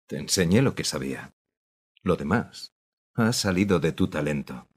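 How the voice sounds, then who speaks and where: A man voices a disgraced old teacher in a radio play, calm and unrepentant. His voice sits very low and husky, and every line comes out measured and cold. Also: heavily acted. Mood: cold, resigned. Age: older. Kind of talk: radio drama acting.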